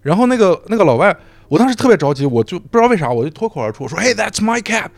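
A man's voice: sits high, racing, creaky, no echo. A man from Xinjiang, China, a podcast guest telling a story in casual chat and acting out quoted dialogue. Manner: animated, acts out quoted dialogue.

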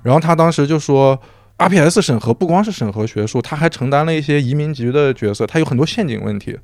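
A man from Xinjiang, China, guests on a podcast, telling a story in casual chat and animatedly acting out the quoted dialogue. His voice is fairly high and fast, with no room sound.

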